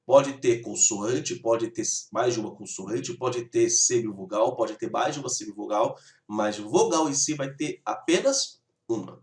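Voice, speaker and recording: A man's voice: medium pitch, unhurried, echoey room. A man teaching a grammar lesson, explaining rules step by step and often checking in with his students. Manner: explanatory, keeps checking in with "tá bom?".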